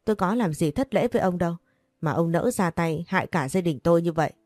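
A woman's voice: on the low side, animated, fast talker, darkish tone, no room sound, clean studio sound, natural voice. A woman voicing a desperate, defiant young mother in a storybook, speaking indignantly and pleadingly.

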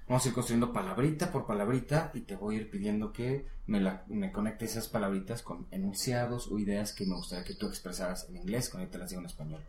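A man's voice: on the low side, quick pace, few pauses, darkish tone. A man with a Mexican Spanish accent teaching English one-on-one, patient and encouraging, often checking in with the learner. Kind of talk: casual one-on-one lesson. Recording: roomy echo.

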